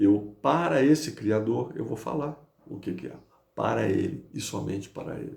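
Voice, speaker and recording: Vocal fry marks a dark, mellow tone delivered at a fairly slow pace, with audible room echo. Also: man. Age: 70s. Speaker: betta fish breeder and genetics hobbyist. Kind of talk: monologue to camera.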